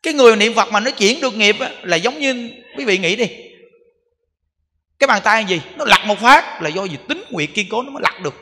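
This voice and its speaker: A Buddhist monk giving an emphatic sermon, full of rhetorical questions and repetition. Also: male voice, sits high, lively intonation, a little fast, sharp tone, in a large hall.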